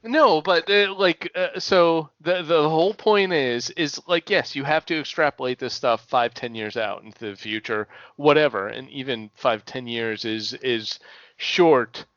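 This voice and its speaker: A man's voice: a little high, unhurried, no room sound, highs cut off. A man co-hosting a podcast, chatting casually and teasing his friends with lots of swearing. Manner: profane, teasing, animated. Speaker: podcast co-host. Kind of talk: casual banter.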